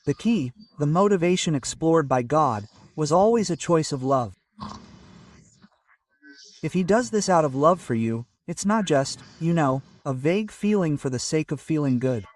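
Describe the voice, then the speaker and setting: Man, pastor, measured sermon delivery, slightly high voice, dry and a bit off-mic. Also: expressive, no echo, recorded from a distance. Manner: measured preaching with scripture citations.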